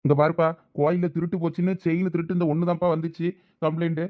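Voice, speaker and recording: A man plays a by-the-book cartoon policeman with a high male voice. He fires out sceptical, official questions very rapidly in a Tamil accent. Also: flat delivery, lo-fi sound, close to an everyday voice. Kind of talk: cartoon drama dialogue.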